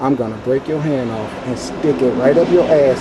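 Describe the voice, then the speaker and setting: With ordinary pitch variation and a medium pitch, a man's voice comes through noticeable background noise and audible room echo. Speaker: vlogger and scrap collector. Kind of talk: casual vlog monologue. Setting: outdoors. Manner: animated.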